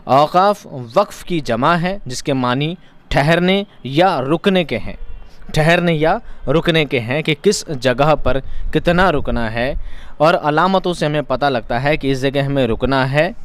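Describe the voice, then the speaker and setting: A man's voice: fairly high pitch, unhurried, fairly bright tone, clear, resonant tone. A man teaching an exam-prep lesson, explaining each point by repeating it in other words and asking rhetorical questions.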